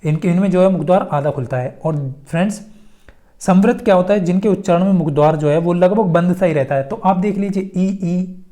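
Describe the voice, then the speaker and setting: A woman's voice: on the low side, a little fast, dark tone. A woman teaching an informal exam-prep lesson, working through questions step by step and repeating phrases for emphasis.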